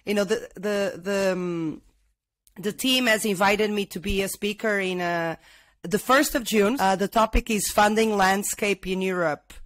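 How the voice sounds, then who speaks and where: A middle-aged woman from Portugal talks as a guest on a casual show. She speaks in a halting way, with frequent restarts and fillers. Her voice sits in a middle range, and the sound is dry with no room echo. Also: mid-range voice. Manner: hesitant, many restarts and fillers. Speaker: guest, angel investor. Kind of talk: casual interview talk.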